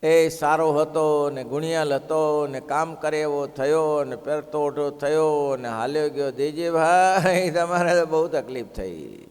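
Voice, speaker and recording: Brief preacher, higher voice, reverberant hall. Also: male voice, measured pace, hardly any pauses, clear, resonant tone. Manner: expressive, rhetorical questions, acts out quoted villagers. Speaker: religious discourse speaker. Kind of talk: devotional sermon with storytelling.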